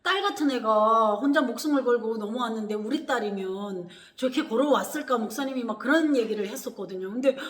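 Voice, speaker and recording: A woman from Korea, telling her personal story in a lively way, acting out what others said. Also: a little high, brisk, hardly any pauses. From North Korea. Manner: animated, acts out quoted voices with gasps and laughs. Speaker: vlogger. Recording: echoey room.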